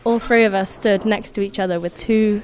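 A woman born in Indonesia, whose first language was Indonesian, telling a personal story in an unhurried, wry way with soft laughs. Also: mid-range voice, steady tone, slight background noise.

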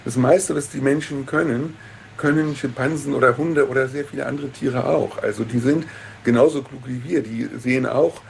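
A man being interviewed as an expert on the radio, explaining in a calm, measured way. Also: mid-range voice, gravelly, a little hiss or hum.

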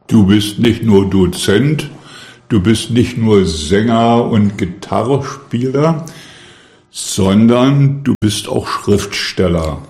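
Slow-spoken interviewer in an echoey room. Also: male voice, lowish voice, darkish tone. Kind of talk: interview questions.

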